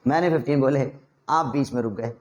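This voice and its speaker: A man with an Indian accent teaching a spoken English lesson, mixing Hindi with English and coaxing learners through rapid drills. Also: mid-range voice, lo-fi sound. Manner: energetic, coaxing drill instructor.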